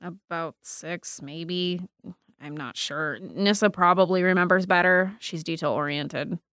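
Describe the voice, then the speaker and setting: A woman's voice: on the low side, a little slow, fairly bright tone, dry recording, studio quality. A woman playing a guarded, sarcastic young woman in an audio drama, speaking in a curt, defensive way.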